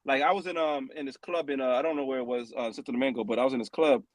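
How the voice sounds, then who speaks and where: A man chatting casually as a podcast panelist, telling stories with animated, emphatic delivery. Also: mid-range voice, rapid-fire, no room sound. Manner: animated, emphatic storytelling with rising exclamations. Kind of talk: casual opinionated chat.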